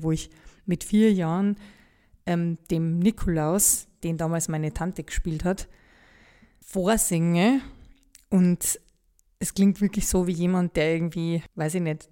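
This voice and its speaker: Low, mellow-voiced Bavarian woman. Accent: light Bavarian. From Upper Palatinate, Bavaria. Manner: candid, reflective, with many fillers and restarts. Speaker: podcast host. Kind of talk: personal storytelling podcast.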